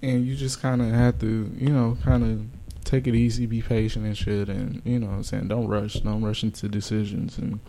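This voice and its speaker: A man's voice: fairly low pitch, flat delivery, normal speed, warm tone. A young man co-hosting a podcast in casual chat, laid-back, teasing and profane. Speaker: podcast co-host.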